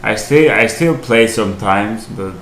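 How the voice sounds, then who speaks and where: A young man from Albania with an Albanian accent, answering interview questions in halting English as he searches for words. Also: fairly low pitch, expressive, a bit bright. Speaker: podcast guest. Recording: echoey room, faint hiss.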